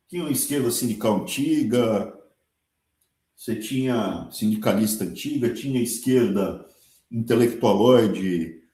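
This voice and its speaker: A man with a Brazilian Portuguese accent giving a sarcastic, lively political commentary monologue as a channel host. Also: fairly low pitch. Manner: sarcastic, lively, talks with colloquial asides. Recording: echoey room.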